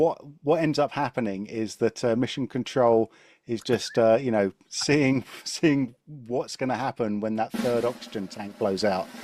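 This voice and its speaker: With an English accent, a man uses ordinary pitch variation on a very clean recording with a silent background, dry and close with no echo. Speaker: livestream host. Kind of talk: live stream chat. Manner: animated; halting.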